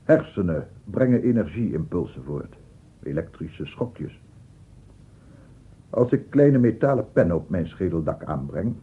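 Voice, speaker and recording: A man's voice: low-pitched, breathy edge, exaggerated voice. An actor playing an aggrieved, unstable scientist in his sixties, pedantic and insistent, in a radio play monologue. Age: 60s. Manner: pedantic, insistent, repeats himself. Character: aggrieved, unstable 67-year-old bachelor scientist, self-justifying and obsessive. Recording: muffled, phone-like old radio recording.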